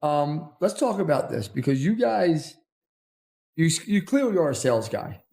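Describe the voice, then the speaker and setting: A man's voice: fairly high pitch, very animated, moderate pace, vocal fry, a little mellow. A man with an accent hosting a podcast interview, blunt, brash and teasing. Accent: non-native English. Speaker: podcast host. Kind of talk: casual interview.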